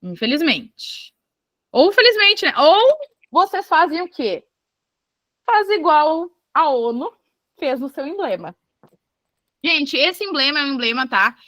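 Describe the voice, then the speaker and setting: In an online exam-prep geography class, a woman from Brazil speaks in a high, bright, forceful voice at a measured pace, pausing often. She stays lively and regularly checks that her students are keeping up. The sound is dry and close to the mic.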